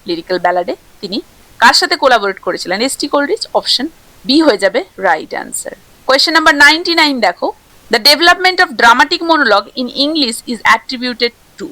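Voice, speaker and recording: Bengali-accented woman teacher going over exam answers, bright lively voice, dry close sound. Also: a little high, no room sound, low-quality recording. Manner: reads questions slowly in English, explains quickly in Bengali. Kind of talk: exam question walkthrough.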